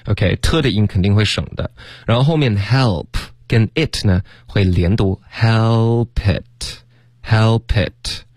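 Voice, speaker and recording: A man co-hosting a radio English lesson, explaining how to shape the lips and modelling phrases slowly. He laughs often between explanations. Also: lowish voice, animated, darkish tone, husky, no room sound, clean studio sound. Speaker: English pronunciation teacher, co-host. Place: radio studio.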